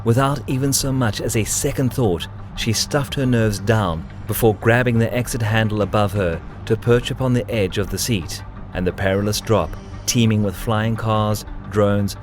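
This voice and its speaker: A man's voice: lowish voice, moderate pace, hardly any pauses, faint music behind, close to an everyday voice. A man narrating a tense cyberpunk action audio drama as a scripted storyteller. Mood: tense, dramatic.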